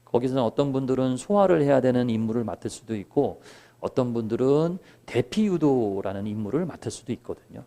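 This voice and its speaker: A middle-aged man giving a fire safety lecture, emphatic and lively, with frequent fillers. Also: mid-range voice, brisk. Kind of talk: lecture presentation.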